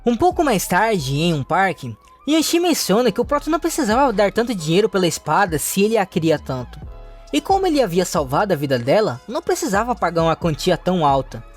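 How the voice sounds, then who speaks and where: A man with a Brazilian Portuguese accent, narrating a comic story recap in a steady, plain third-person retelling. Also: high-pitched, fairly quick, faint music behind.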